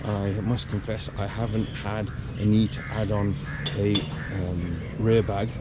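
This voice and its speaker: A man with a lowish voice reviews his motorcycle out of doors in a casual, rambling way. He stops and restarts often and fills his pauses with ums. Loud outdoor noise runs under the recording. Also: level tone, lo-fi sound. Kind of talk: casual spoken review to camera.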